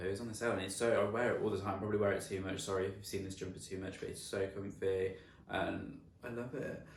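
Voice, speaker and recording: Fairly low male voice with fairly even intonation and audible room echo. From West Midlands, England (Bromsgrove). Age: 20s. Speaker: lifestyle and fashion YouTuber. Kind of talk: casual Q&A vlog.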